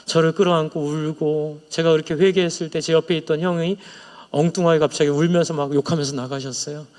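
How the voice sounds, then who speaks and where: A man's voice: on the high side, little pitch movement, a little fast, a little mellow, long reverb tail. A male pastor preaching a sermon in a church, earnestly sharing personal confessions and leading the congregation in prayer. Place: church sanctuary.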